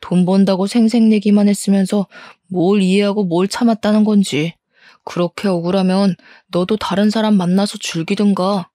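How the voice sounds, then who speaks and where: A woman's voice: medium pitch, steady tone, normal speed, warm tone, no room sound, studio quality, lightly acted. A woman voicing an angry cheating husband who blusters, scoffs and shifts the blame. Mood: defensive. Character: angry, defensive cheating husband in his thirties. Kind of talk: audio story dramatization.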